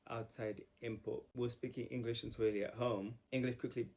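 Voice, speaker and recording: A man co-hosting a casual chat with his wife, mostly agreeing briefly in a relaxed way. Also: medium pitch, brisk. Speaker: co-host, husband.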